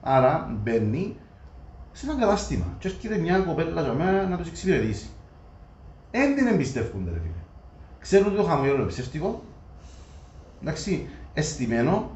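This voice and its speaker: A man's voice: fairly high pitch, big pitch swings, pauses often, darkish tone. A man with a Greek Cypriot accent in casual, colloquial discussion, explaining his views conversationally. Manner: colloquial, acts out imagined customer dialogue. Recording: echoey room, muffled, faint noise.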